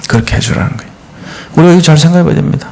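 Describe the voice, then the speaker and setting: A man's voice: on the high side, rapid-fire, gravelly, a little mellow. A man preaching a midweek sermon as a pastor, acting out the voices of the parents and children he quotes. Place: church sanctuary.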